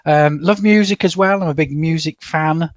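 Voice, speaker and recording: A middle-aged Englishman with a lilt talks in a chatty, hesitant way, often doubling words before he finds them. His voice sits a little high for a man. The sound is dry and a bit muffled, with no room around it. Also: normal speed, dry recording. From England. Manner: hesitant, repeats words, self-deprecating laughs. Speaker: guest. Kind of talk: casual podcast interview.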